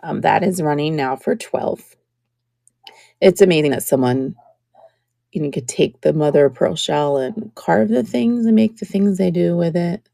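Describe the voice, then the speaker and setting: A woman, hosting a casual live jewelry sale and chatting as she shows each piece, sometimes dropping to a soft whisper. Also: lowish voice, gravelly, dry recording. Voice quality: scratchy. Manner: slow, chatty, drops to soft whispers while showing pieces. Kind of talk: casual live-stream selling chat.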